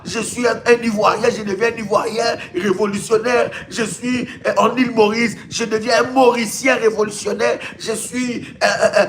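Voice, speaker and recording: A Congolese man preaching as a pastor and ministry leader on a live stream has a very high-pitched, fairly bright voice. His delivery is emphatic and repetitive, full of rhetorical questions and stammered restarts as he drives points home, with faint background noise.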